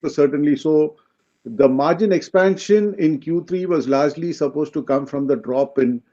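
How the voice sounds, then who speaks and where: A man answering questions as a company executive on a business call, explaining in a halting way and often checking with a short tag question. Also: on the high side, warm tone. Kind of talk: unscripted business Q&A on an earnings call. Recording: dull, lo-fi conference call audio.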